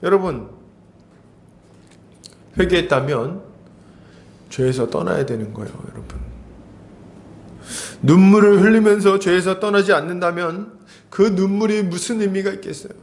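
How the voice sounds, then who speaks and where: A man's voice: high voice, measured pace, pauses often, darkish tone. A man pastor preaching an expository sermon, emphatic, acting out Bible scenes and asking the congregation rhetorical questions.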